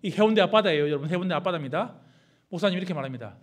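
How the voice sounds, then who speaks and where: A middle-aged male pastor preaching a sermon, asking the congregation constant questions and swinging from hushed lines to loud exclamations. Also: sits high, expressive, very fast. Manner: call-and-response preaching with many questions to the congregation.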